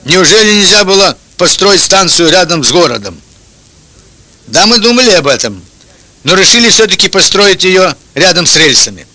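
Bright, forceful man telling jokes. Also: high-pitched, big pitch swings, normal speed, dry recording. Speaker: joke teller. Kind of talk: telling short jokes and anecdotes. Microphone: handheld-type microphone held close, headphones on.

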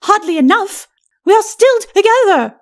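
A woman's voice: very high voice, very animated, moderate pace. A woman voicing a scornful, embittered skeleton wife in a storybook, with arch, cutting, formal archaic speech. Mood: wistful, bitter. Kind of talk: storybook character acting.

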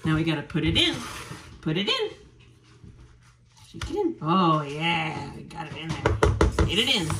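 A woman in her thirties chats with her toddler while cooking. Her voice is low-set for a woman but swoops widely in a sing-song, patient coaxing tone at an unhurried pace. It is picked up by a camera on the counter in an echoey kitchen with clear noise behind her. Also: very animated, fairly bright tone. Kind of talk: casual kitchen chat with a toddler. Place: home kitchen, indoors. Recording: roomy kitchen echo with clear background noise.

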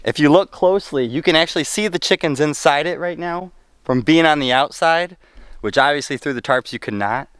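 A young homesteading vlogger chats upbeat and friendly to the camera, which he holds at arm's length while doing farm chores outside in the snow, and he talks to his animals as he goes. His voice sits fairly high with a fairly bright, clear, resonant tone, and he speaks a little fast. The recording has no echo.

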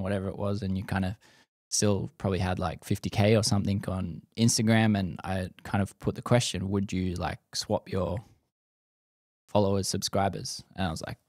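Man, lowish voice, podcast guest, dry studio mic, thoughtful, lots of likes. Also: darkish tone, dry recording. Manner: thoughtful, many likes and restarts. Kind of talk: casual podcast interview. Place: dim studio set. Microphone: boom-mounted studio mic.

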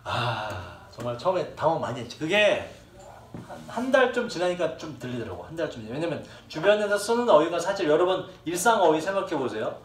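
A man's voice: a little high, big pitch swings, a little fast. A man teaching an English lesson to a class of students. He talks casually and jokes a lot. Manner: casual, joking, swears and laughs at his own stories. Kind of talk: classroom lecture. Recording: echoey classroom from far off.

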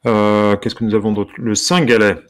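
A man, a harmonica teacher, giving casual commentary as he browses, curious and amused, musing aloud with soft exclamations. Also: on the low side, flat delivery, moderate pace.

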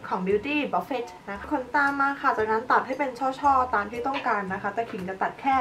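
Here a young beauty vlogger chats through a makeup demo in a slightly bright voice that leans high and moves fairly quickly. The mic is a little far from her, and light music runs underneath.

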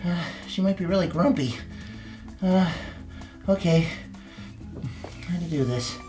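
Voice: medium pitch, a little slow, natural voice. A performer voicing an eager, awkward young puppet prince in a children's story sketch, hesitant, rambling and apologetic. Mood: nervous, rambling. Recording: roomy sound with music behind.

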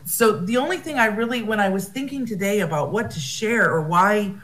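A woman's voice: mid-range voice, brisk, a bit bright, rough recording. An American woman speaking at an academic conference over a video call, thoughtful and often rephrasing herself. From United States.

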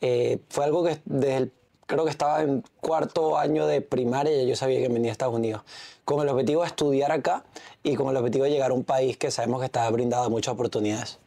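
A man's voice: medium pitch, steady tone, fast talker, vocal fry, mellow. A man in his thirties with a Venezuelan accent, a guest speaking confidently in a casual interview, seated in an office lounge. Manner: confident, talks with his hands. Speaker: entrepreneur guest. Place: office lounge with city view.

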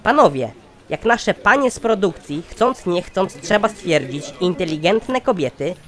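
A man's voice: sits high, expressive, unhurried. A man voicing a pompous, sardonic company chairman in a satirical cartoon, speaking formally. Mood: exasperated, lecturing. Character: pompous, exasperated male company chairman, scheming boss.

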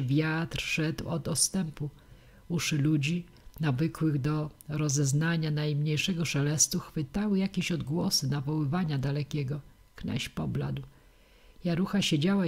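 A woman reading a classic novel aloud as audiobook narration, measured and steady. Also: low-pitched, breathy edge. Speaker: audiobook reader.

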